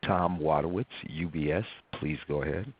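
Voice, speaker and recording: A man's voice: extremely low pitch, moderate pace, breathy edge. A man making formal scripted announcements as a conference call operator. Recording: dry, dull call audio.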